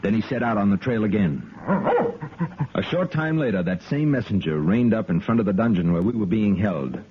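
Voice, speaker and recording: An actor playing a calm army lieutenant who also narrates the story, in a 1950s radio drama. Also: male voice, lowish voice, moderate pace, close to an everyday voice. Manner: calm, matter-of-fact. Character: steady army lieutenant narrating his adventure. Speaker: narrator and hero. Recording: muffled old radio broadcast with hiss.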